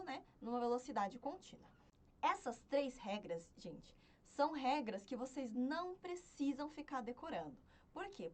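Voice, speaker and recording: A woman teaching an online language lesson, her fairly high voice rising and falling a great deal. She walks through each point patiently and keeps pausing to check that her students follow. She slows down to sound out example words. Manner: explains step by step, often checking in with the class.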